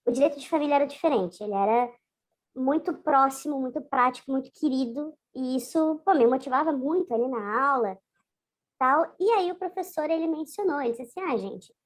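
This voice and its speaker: A woman's voice: sits high, animated, brisk. A woman guest in an interview, her voice altered by a voice changer, telling her story in a hesitant, conversational way with frequent restarts. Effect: voice changer disguising the voice. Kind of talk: casual recounting in a video interview.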